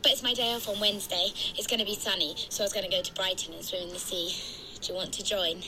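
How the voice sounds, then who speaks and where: A woman's voice: high voice, lively intonation, measured pace, a bit bright, poor audio. A woman playing a carefree, upbeat friend who talks in a bubbly, laid-back way on a pebble beach. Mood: chatty. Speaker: love interest.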